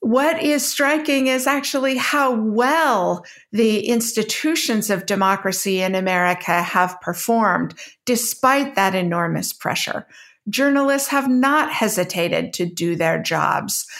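A woman speaks in an ordinary speaking voice with a fairly high pitch, lively intonation and very even loudness on a very clean recording with a silent background. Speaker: policy expert and debater. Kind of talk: formal debate.

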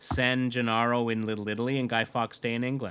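An unremarkable speaking voice from a man at medium pitch and a fairly quick pace. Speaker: podcast host. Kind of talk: casual chat.

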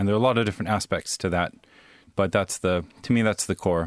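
Fairly even intonation shapes this man's speech. He has an American accent and a very deep, low pitch. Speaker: software engineer. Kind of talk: technical panel discussion.

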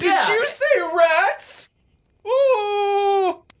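This put-on character voice sounds female and is pitched extremely high. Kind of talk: affected, old-fashioned.

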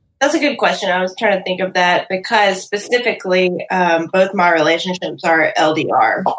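Speaking at a moderate pace with hardly any pauses, a woman with a medium pitch and ordinary pitch variation has an unremarkable speaking voice. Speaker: listener asking a question. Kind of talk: casual chat. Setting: video call.

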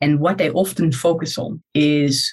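In a Dutch accent, a woman speaks with a very deep, low pitch. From Netherlands. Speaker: negotiation coach. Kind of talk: interview. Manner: animated.

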